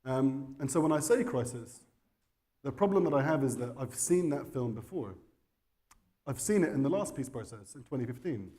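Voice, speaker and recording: A man's voice: medium pitch, lively intonation, normal speed. A man speaking as a panelist at a conference discussion, arguing firmly and insistently. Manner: forceful, insistent argument. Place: conference hall.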